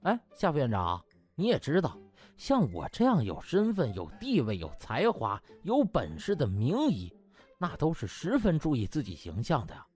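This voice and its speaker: A shameless young male doctor, acted by a man narrating in a comic audiobook. He is smug and playfully pompous, with a husky, very animated delivery. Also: on the high side, normal speed, soft background music, full character voice.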